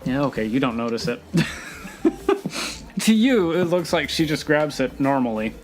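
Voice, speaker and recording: A man narrating a tabletop role-playing game as game master, deliberate, with dramatic pauses. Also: mid-range voice, expressive. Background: music.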